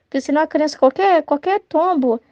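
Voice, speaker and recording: High-pitched chatty Brazilian woman teaching. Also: brisk, mellow, no echo. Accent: Brazilian Portuguese. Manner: chatty, tags sentences with "né?", acts out everyday dialogue. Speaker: religious study teacher and child tutor. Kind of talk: informal devotional study talk. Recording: dull lo-fi dry sound.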